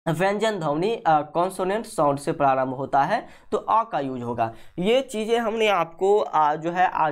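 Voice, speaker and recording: A woman teaching English grammar in an exam-prep lesson. She speaks English with a Hindi accent, asks her students questions and then answers them herself, and often breaks off to say sorry. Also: low voice.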